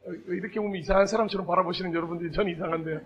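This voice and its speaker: A man pastor giving a Sunday sermon, talking to the congregation conversationally, asking them direct questions and bursting into shouted emphasis. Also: high voice, steady tone, rapid-fire, slightly rough.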